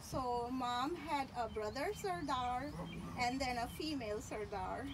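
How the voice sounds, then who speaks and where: A woman delivering a personal eulogy in a tender, reverent, faltering manner, breaking her speech into short halting phrases. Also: on the high side, noisy background. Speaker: daughter giving a eulogy.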